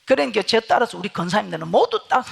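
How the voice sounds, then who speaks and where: A woman preaching a revival sermon in a church with a Gyeongsang Korean accent, telling stories, loud one moment and hushed the next. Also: medium pitch, very animated, fast talker, creaky, slightly rough. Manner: storytelling, swings from loud to hushed. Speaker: guest pastor. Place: church sanctuary.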